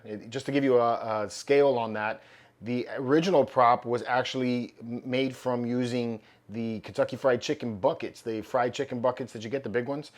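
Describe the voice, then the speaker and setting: A man hosting a collectibles channel, chatting casually through an unboxing while his voice is going hoarse. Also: medium pitch. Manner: upbeat, loose and chatty with fillers. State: losing his voice, slightly hoarse.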